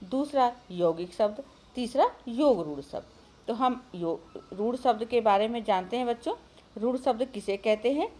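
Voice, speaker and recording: Woman schoolteacher, animated and higher-pitched, patient lesson delivery to kids. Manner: addresses children often, asks and answers her own questions. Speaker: school Hindi teacher. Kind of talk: recorded online grammar lesson.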